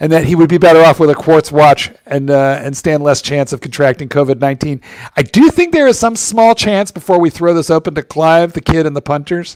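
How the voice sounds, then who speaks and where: In an animated tone, a man speaks at a fairly quick pace with hardly any pauses, a fairly high pitch and ordinary pitch variation. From Philadelphia. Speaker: dog trainer and watch channel host. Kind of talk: casual livestream chat reading viewer mail.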